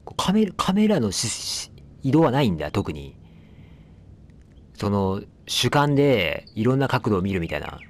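A man's voice: lowish voice, very animated, normal speed. A man giving casual let's play commentary, chatting to the game and its characters as he plays. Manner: chatty, talks back at the game, apologizes for noise.

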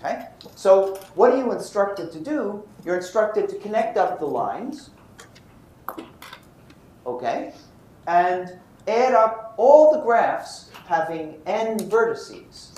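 An older man from Brooklyn giving a university physics lecture, animated and often checking in with his students. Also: high voice, slow pace. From Brooklyn, New York. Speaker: physics professor. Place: lecture hall. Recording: roomy lecture hall, faint noise.

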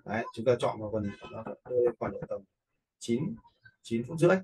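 A man giving a casual, step-by-step software tutorial, informally checking in with listeners as he goes. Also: medium pitch, lively intonation, brisk, breathy edge. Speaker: video editing instructor. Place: indoors, voice-over for a screen recording.

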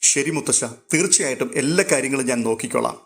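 A man's voice: medium pitch, quick pace, creaky, lightly acted. A man voicing a caring young woman who pleads earnestly and persuasively, as in a storybook read aloud. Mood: pleading.

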